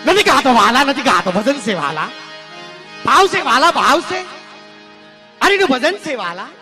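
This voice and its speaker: A man doing a high pleading devotional singer. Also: sing-song, moderate pace, pushed and bright, faint music behind, heavily acted. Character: male devotional singer declining to sing.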